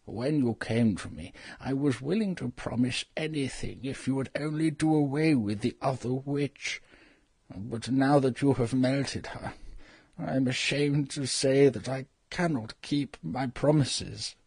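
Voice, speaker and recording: A man plays a sheepish old wizard who is really a humbug. His voice is husky and dry at an ordinary pitch, and he sounds apologetic and coaxing. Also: unhurried, darkish tone, no room sound. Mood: confessing. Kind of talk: dramatized audiobook reading.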